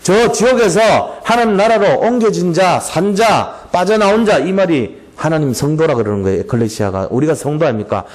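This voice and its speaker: A man's voice: fairly high pitch, animated, normal speed, hardly any pauses. A male pastor preaching a sermon in a church, reading scripture and acting out the voices he quotes, with many rhetorical questions.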